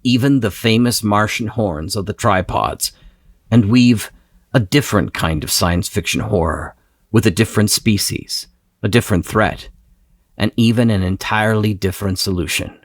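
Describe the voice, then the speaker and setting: Brief: male writer speaking earnestly; low-ish, dry. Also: moderate pace, no echo. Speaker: writer of an audio drama. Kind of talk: scripted commentary.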